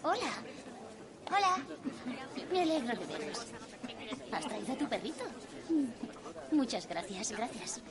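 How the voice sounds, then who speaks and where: A brisk food bank organiser. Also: female voice, fairly high pitch, very animated, a loud crowd. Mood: welcoming. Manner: welcoming and brisk, giving directions.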